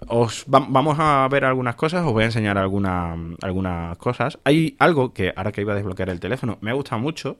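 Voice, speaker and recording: Deep-voiced podcast host. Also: male voice, no echo. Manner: chatty, many fillers and restarts, enthusiastic. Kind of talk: casual tech demo.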